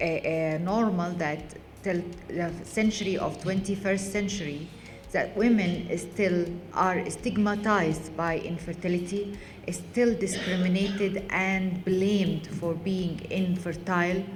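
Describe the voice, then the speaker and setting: With music in the background and audible room echo, a woman speaks at a fairly slow pace in a medium pitch with monotone, flat intonation. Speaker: foundation executive giving a speech. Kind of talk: formal speech. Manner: halting with fillers.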